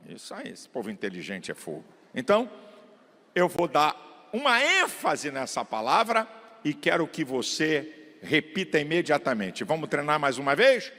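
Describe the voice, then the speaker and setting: A middle-aged man preaching a fiery sermon in a large church, his high voice leaping up and down in pitch. He shouts the peaks, drops to quiet asides, and stretches out words for weight. His sound rings with a long hall reverb. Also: huge pitch swings, normal speed. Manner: emphatic preaching, swings from shouts to low asides; draws out words for emphasis. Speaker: pastor.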